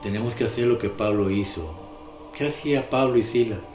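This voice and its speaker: A man's voice: on the low side, moderate pace. Man, preacher, emphatic sermon, asks questions, echoey room. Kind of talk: sermon on the daily gospel. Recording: echoey room with music behind.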